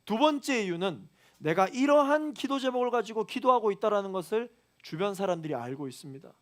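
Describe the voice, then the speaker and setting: A man's voice: sits high, expressive, a little fast, fairly bright tone. A male pastor preaching a sermon to a young adults' congregation, building emphasis as he goes. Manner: preaching with rising emphasis and quoted prayers. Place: church youth hall.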